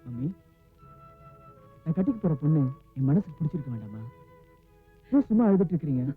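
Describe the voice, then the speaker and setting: A man's voice: a little high, sing-song, fairly quick, narrow, tinny audio, soft background music. An actor playing an earnest young man pleading to marry the girl he loves. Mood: insistent. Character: young rich son in love, earnest. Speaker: young man, only son. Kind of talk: 1990s film drama acting.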